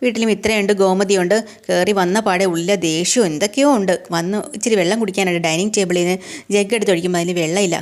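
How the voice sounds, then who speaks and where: A woman narrating a TV serial episode in a chatty, fast storytelling style, often turning to listeners with tag questions. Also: fairly low pitch, a little mellow.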